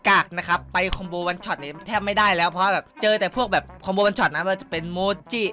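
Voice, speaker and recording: A young man giving excitable, loud gameplay commentary, cursing and yelling at opponents, his throat sore from shouting. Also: high voice, quick pace. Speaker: gaming YouTuber. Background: game music.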